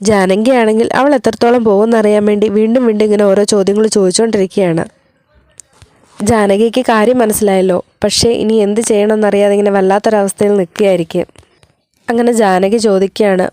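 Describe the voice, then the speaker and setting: A woman narrates a family story in a chatty, conversational way. Her voice is mellow and soft, and the recording is dry and close. She adds casual asides to the listener as she goes. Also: mid-range voice, steady tone, quick pace, dry recording.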